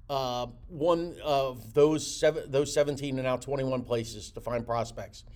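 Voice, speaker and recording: A man's voice: medium pitch, a little mellow. A man hosting a real estate coaching show, talking with energy, repeating words and using many fillers. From United States. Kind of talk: motivational teaching talk.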